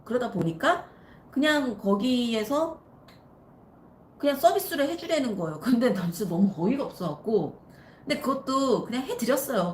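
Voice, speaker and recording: Animated woman storyteller in a roomy space. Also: a little high, slight background noise. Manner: animated, acts out quoted people in the story. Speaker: nail artist and channel host. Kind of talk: casual live-stream storytelling. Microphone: live-stream setup. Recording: roomy echo with faint ambience.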